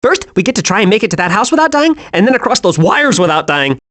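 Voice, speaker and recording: A man gives voice to an eager, excitable young male squirrel in an animated video game, delivering his lines in a childlike way. Here the high-pitched, quick performance sounds earnest, cheerful and scatterbrained.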